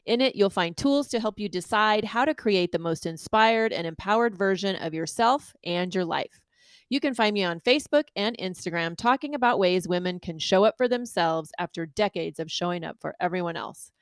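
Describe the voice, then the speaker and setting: A woman's voice: medium pitch, animated, normal speed, dry recording. A woman podcast co-host and empowerment coach giving an upbeat, scripted self-introduction.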